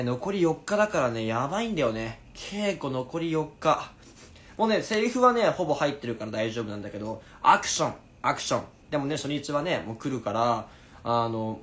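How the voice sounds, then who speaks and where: A man in his twenties chatting casually on a livestream in an animated way, answering viewers as he goes. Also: medium pitch. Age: 20s. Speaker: stage actor livestreaming to fans. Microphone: phone at arm's length. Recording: noisy room ambience, phone livestream.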